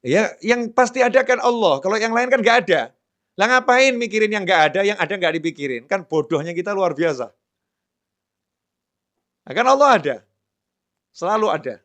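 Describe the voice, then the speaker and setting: A middle-aged man preaching a conversational sermon, dropping to a softer, lower voice to act out prayers and dialogue. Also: lively intonation, moderate pace, pauses often.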